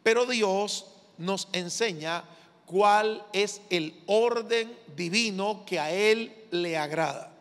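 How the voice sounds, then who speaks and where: A male pastor preaching a sermon in a measured, emphatic way, asking the congregation to repeat phrases after him. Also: sits high, a bit bright. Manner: measured, emphatic preaching with call-and-response prompts. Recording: long reverb of a large hall.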